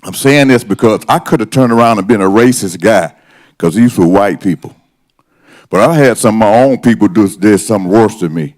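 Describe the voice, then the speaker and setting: A man's voice: fairly low pitch, a little fast, a little mellow. A man in his sixties or older making an impassioned, combative podium speech at public comment, with personal testimony and emphatic plain talk. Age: 60s or older. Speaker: resident speaking at public comment. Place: council meeting room, at a podium.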